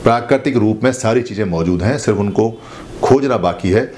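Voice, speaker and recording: A man giving a spoken Buddhist teaching, explaining slowly and repeating phrases for emphasis. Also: lowish voice, darkish tone, slight background noise. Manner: slow, repetitive, explanatory preaching. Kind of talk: spoken dharma talk.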